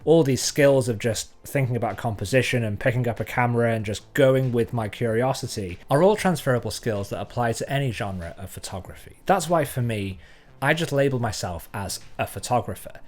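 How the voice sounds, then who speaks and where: A man's voice: medium pitch, expressive, brisk. Thoughtful man musing to camera. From North Wales. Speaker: photographer and channel host. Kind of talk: reflective talk to camera.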